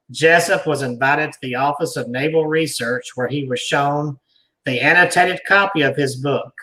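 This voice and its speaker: A man hosting a talk, reading an article aloud deliberately, with emphatic pauses and asides like a storyteller. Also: mid-range voice, pushed and bright, rough recording.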